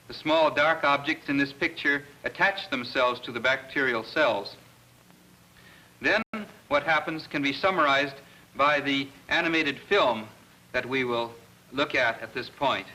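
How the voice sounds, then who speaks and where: A man, a research scientist, giving an educational lecture in a measured, didactic way with pauses mid-sentence. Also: mid-range voice, sharp tone, low-quality recording.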